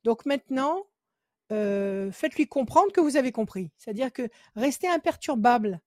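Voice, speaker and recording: A woman's voice: fairly high pitch, animated, normal speed, darkish tone, no echo, clean studio sound. A woman working as a psychic on a call-in show. She gives firm advice again and again and counts cards under her breath. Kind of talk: phone consultation with card reading.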